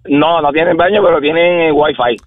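A man's voice: on the high side, a little fast, phone-quality sound. A man from Puerto Rico with a Puerto Rican accent, a tour business owner calling a radio show, jovial and boastful.

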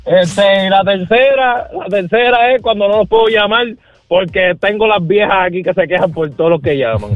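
Exasperated caller on phone line. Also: male voice, high voice, moderate pace, dry recording, soft background music. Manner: blunt, exasperated, slangy. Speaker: caller, rideshare driver. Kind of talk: phone call-in complaint. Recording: tinny dry phone line.

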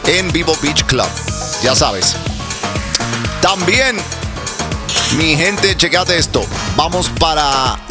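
A man hosting a radio show, talking upbeat and sing-song to his listeners. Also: a little high. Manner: energetic, sing-song delivery. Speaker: radio host. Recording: music bed loud behind voice.

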